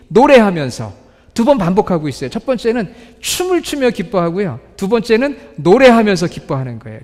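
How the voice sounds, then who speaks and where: A high-pitched man delivers a sermon in a church sanctuary. He puts questions to his listeners and slows down to read scripture. His voice rings with the long reverb of the hall. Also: a little mellow. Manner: asks the congregation questions, reads scripture slowly. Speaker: pastor.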